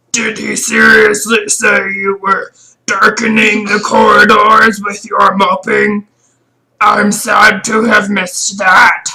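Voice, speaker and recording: Using a put-on character voice, a man speaks fairly slowly at a high pitch, gravelly and raspy, in a deadpan tone. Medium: actual play. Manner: flat, deadpan.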